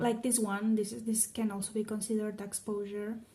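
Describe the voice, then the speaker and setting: Audible room echo surrounds a woman's somewhat breathy voice. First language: Spanish and Catalan. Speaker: vlogger. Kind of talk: personal vlog monologue. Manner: halting, with many fillers and restarts.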